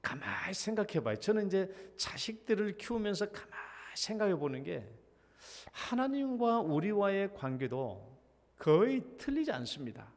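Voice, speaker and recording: A Korean senior pastor delivers a sermon in a reverberant church sanctuary, his male voice sitting high. He preaches through storytelling, acting out his child's pleading and his own feigned reluctance.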